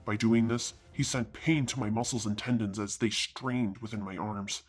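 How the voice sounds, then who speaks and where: A man reading a first-person fantasy story aloud, with an earnest husky delivery that climbs into anger on the hero's lines. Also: fairly low pitch, steady tone, moderate pace, faint music behind. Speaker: story reader.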